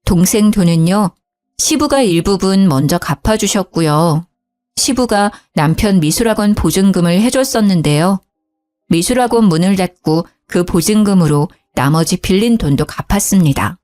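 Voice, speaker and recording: Lively woman telling a story. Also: lowish voice, moderate pace. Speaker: narrator. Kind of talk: first-person story narration. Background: faint background music.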